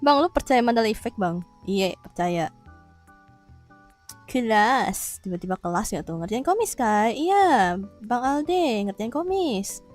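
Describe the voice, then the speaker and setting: A woman live streamer in a relaxed chat with her audience. Her voice sits a little high and swings widely in pitch, and she is playful and quick to laugh. Faint music plays softly behind her. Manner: playful, laughs often, teasing, throws in little roars. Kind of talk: casual livestream chat reading viewer comments.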